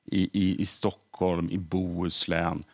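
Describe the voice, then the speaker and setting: A man's voice: deep voice, flat delivery, a little mellow. A middle-aged man, a history podcaster, explaining earnestly in a TV studio interview and often repeating words as he thinks. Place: TV morning show studio.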